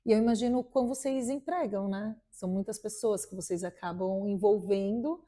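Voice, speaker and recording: A woman's voice: mid-range voice, moderate pace, mellow. A woman hosting an interview, chatty and affirming. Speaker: host. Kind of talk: casual interview talk.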